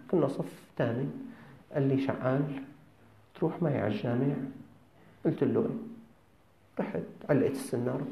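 A man's voice: a little high, gravelly, a little hiss or hum. A man with a Levantine Arabic accent preaching a sermon, telling stories and putting questions straight to his listeners. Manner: lively, addresses the audience directly with questions. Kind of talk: sermon with storytelling.

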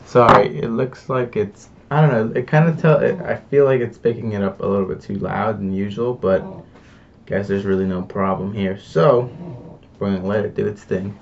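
Young male vlogger, relaxed rambling delivery heavy on fillers and slang; distant, slightly dull recording. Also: on the low side, normal speed, gravelly. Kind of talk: casual confessional chat.

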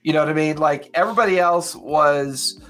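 A man in his fifties from Southern California co-hosts a podcast, chatting casually and reflectively in a rambling way with many fillers. His pitch is fairly high and a bit bright, and he talks at a normal speed.

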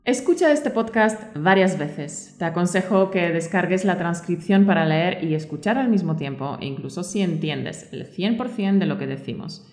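A woman co-hosting a scripted teaching podcast. She reads example sentences in a clear, friendly teaching tone. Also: on the low side, animated, moderate pace, few pauses, a little mellow. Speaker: podcast co-host and Spanish teacher. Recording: roomy echo.

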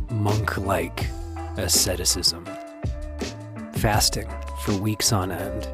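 A man playing an obsessive, introspective character in an audio drama monologue, husky and breathy, deliberate and confessional. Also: deep voice.

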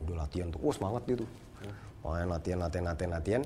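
Guy telling a story in street slang, fast, low and mellow. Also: slight background noise. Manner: slangy Jakarta street talk, quick and storytelling. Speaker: guest telling a personal story. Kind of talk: casual chat.

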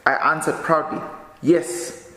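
A man hosting a podcast, reading a book aloud and breaking off into casual commentary, with a low-key, tired delivery that often stumbles and restarts words. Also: slow, pushed and bright, echoey room, low-quality recording. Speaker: podcast host.

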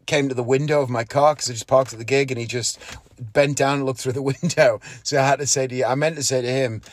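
This is a rambling solo podcast from a man in his 30s who works as a magician, speaking candidly from a parked car and correcting himself as he goes. His mid-range voice is fairly even in intonation and he talks at a quick pace.

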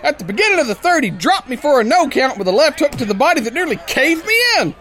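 A brash, none-too-bright sailor prizefighter spins his pulp radio-play tale in rough, folksy diction. His voice sits very high for a man and has a hard, bright edge. The delivery is boisterous and exclamatory, with lively swings in pitch. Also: quick pace, exaggerated voice. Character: brash, hot-headed, dim-witted brawling male sailor boxer telling his tale. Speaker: audio drama narrator and lead actor. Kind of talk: theatrical first-person pulp story narration.

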